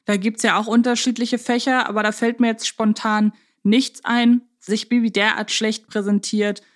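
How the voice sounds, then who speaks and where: A woman's voice: a little high, level tone, moderate pace. A woman hosting a casual, humorous fan podcast, chatting reflectively and thinking aloud as she goes. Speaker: podcast host.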